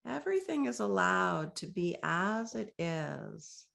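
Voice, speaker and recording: A woman leads a breathing meditation in a soft, gently inviting voice. She speaks very slowly, leaving long pauses between phrases. Her voice sits a little low and has a noticeable gravelly fry. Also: big pitch swings. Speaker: meditation guide. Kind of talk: guided meditation.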